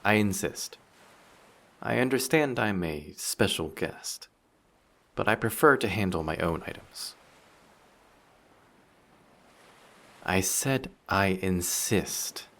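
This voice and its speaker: Very deep, smooth-talking flirty male sea monster acted by a man. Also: expressive, slow pace, sharp tone, exaggerated voice. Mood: curt, insistent. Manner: polite, formal, teasing, self-assured. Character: handsome flirty, vain sea monster posing as a male passenger. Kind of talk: scripted roleplay audio drama.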